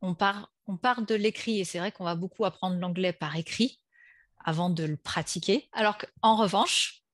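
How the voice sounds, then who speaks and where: A woman who teaches languages, hosting an interview and talking in a lively way. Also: mid-range voice, moderate pace, dry recording, studio quality. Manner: lively, animated when acting out examples. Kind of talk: interview conversation.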